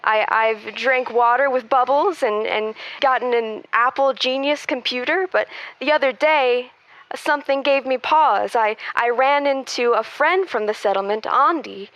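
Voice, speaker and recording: A woman acting as a young Amish woman with a high voice, innocent and earnest. She picks quaint, formal words and stumbles gently through them, as a caller on a comedy show. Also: no room sound, rough recording. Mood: earnest, hesitant. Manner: formal, quaint, halting phrasing.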